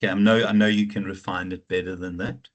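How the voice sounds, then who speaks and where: A man's voice: deep voice, level tone, fast, muffled recording. A man with a South African Afrikaans accent, advising students as a lecturer in an informal, teasing way, thinking aloud as he goes. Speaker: university lecturer advising students on research proposals. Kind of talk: informal online teaching consultation.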